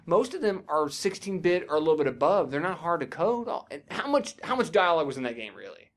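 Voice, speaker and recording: A man's voice: on the high side, big pitch swings, fast. A man co-hosting a podcast, chatting casually about games in a rambling, enthusiastic and profane way. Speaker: podcast co-host. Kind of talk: casual gaming chat.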